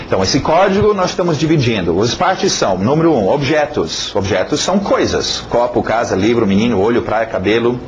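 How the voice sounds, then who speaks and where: A man's voice: medium pitch, animated, fairly quick, few pauses. A man who is not a native Portuguese speaker, teaching casually with a foreign accent in a conversational, encouraging way and often checking in with short tags. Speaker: English teacher. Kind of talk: casual video lesson. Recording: dull, lo-fi, faint noise.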